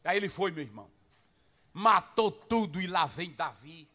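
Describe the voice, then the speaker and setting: A pastor preaching to pastors, swinging between loud shouted passages and low asides and firing rhetorical questions at the listeners. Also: male voice, very animated, normal speed. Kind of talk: Pentecostal-style preaching to pastors.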